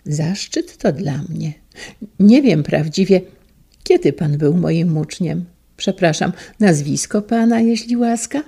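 A woman voicing a gentle, wistful elderly male schoolteacher, speaking softly and haltingly. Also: fairly low pitch, expressive, gravelly, husky, full character voice. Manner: soft, halting and tender.

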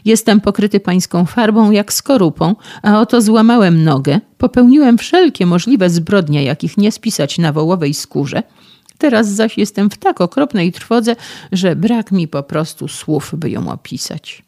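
A man reading an audiobook, voicing an agitated, injured young man who shouts his complaints. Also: a little high, expressive, moderate pace, vocal fry, no echo, clean studio sound. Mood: indignant.

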